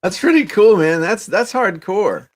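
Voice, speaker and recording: A man's voice: high voice, expressive, measured pace. A man co-hosting a podcast, chatting casually in a blunt, colloquial way. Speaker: podcast co-host. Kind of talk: casual chat.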